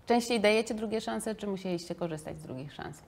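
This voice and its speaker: A woman's voice: medium pitch, fast, vocal fry. Female, young adult, mid-range voice, casual tentative interviewer. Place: indoor brick loft room.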